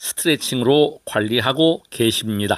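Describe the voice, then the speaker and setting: The recording is very clean, and the background is silent. A man talks at a very slow pace. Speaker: channel host. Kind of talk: video narration.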